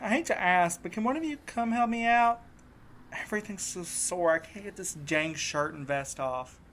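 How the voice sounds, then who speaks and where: A man's voice: sits high, normal speed, fairly bright tone. A man playing a weary, shaken young man in a fiction podcast, speaking in a wry, conversational, folksy way. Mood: exhausted, grumbling. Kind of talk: naturalistic fiction podcast acting.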